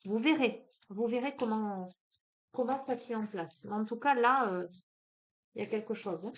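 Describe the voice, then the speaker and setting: In a slightly high voice at a moderate pace, a woman with a southern French accent offers a spiritual oracle card reading. She begins haltingly with plenty of fillers and later turns emphatic.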